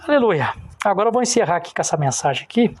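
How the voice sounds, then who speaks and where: A man from Rio do Sul, a pastor preaching a sermon in church with call-and-response. He keeps asking the congregation for agreement and grows loud and emphatic as he presses each point. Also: high voice, very animated, very fast, very noisy. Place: church service in front of a congregation.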